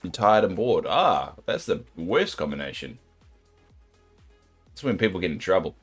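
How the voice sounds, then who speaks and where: Deep-voiced New Zealand man streaming. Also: very animated, moderate pace, breathy edge, soft background music. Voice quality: deep, soothing voice. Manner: rambling, self-deprecating, sympathetic. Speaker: game streamer. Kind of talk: casual chat with viewers while gaming.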